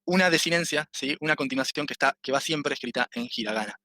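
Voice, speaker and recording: Fast, bright man teaching. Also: mid-range voice, no room sound. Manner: constant "¿sí?" tag after nearly every phrase; explanatory, patient, repeats and restarts phrases. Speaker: Japanese language teacher. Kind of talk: online public class lecture.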